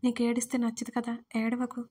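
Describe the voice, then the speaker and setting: A woman voicing a dying young wife who speaks softly and haltingly in an audio story. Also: on the high side, completely flat delivery, breathy edge. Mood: faint, tender. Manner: soft, faltering, breaking off.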